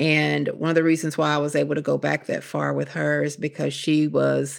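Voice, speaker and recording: Recorded very cleanly against a silent background, a woman talks with a Kentucky accent. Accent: Southern Appalachian US, Kentucky. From rural Kentucky (Indian Creek). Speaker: author. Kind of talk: interview. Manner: hesitant, many fillers.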